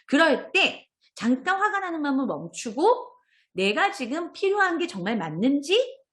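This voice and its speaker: A woman trainer giving an online video-call lesson to parents and teachers, acting out gentle sing-song questions to children between her explanations. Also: fairly high pitch.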